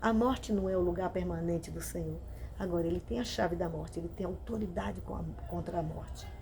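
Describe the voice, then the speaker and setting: A woman's voice: lowish voice, a little fast, dark tone, a little hiss or hum. A woman pastor with a Brazilian Portuguese accent, preaching a sermon with emphatic, repeated questions.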